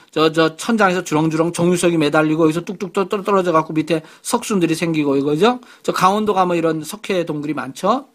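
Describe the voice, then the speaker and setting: A man's voice: sits high, a bit bright. A man teaching a middle school science lecture online in a chatty way, repeating key words and checking in with rhetorical questions.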